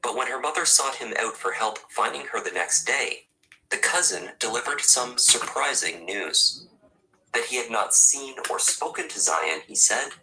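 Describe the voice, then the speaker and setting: A man narrating a true crime video in a measured, scripted storytelling delivery. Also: medium pitch, lively intonation, sharp tone, low-quality recording.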